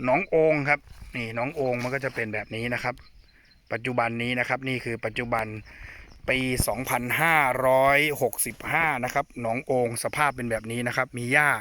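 On a very clean recording with a silent background, a man with a bright, sharp tone speaks at a medium pitch with fairly even intonation. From Sisaket, northeastern Thailand (Isan). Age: 40s. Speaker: travel vlogger. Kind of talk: vlog narration.

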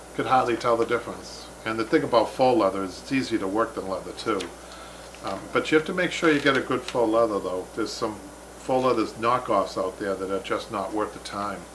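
This is an unremarkable speaking voice from a man with an American accent, medium in pitch with ordinary pitch variation. He talks at a fairly quick pace over light background noise. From Massachusetts. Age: 60s. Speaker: upholsterer and show host. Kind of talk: casual live chat. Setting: online live stream from workshop. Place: workshop.

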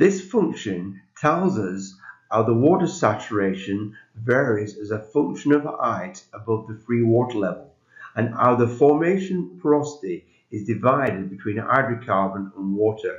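In a room with audible echo but a quiet background, a man talks at a moderate pace. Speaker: presenter. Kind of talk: lecture. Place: home room.

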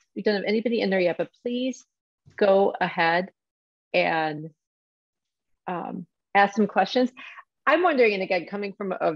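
Over a quiet background, a woman talks at a moderate pace with ordinary pitch variation and long, frequent pauses. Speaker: academic center director and moderator; moderator of online lecture. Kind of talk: webinar moderation. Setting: video call. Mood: earnest, curious. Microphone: video call.

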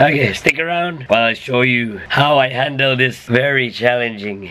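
With noticeable background noise behind him, a man speaks at a moderate pace and medium pitch, his pitch varying in an ordinary way. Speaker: singer and performer. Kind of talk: casual vlog talk to camera.

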